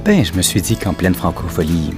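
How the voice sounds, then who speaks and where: An actor playing an excited man spotting celebrities in a scripted café sketch. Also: low-pitched, fairly quick. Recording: music behind the voice.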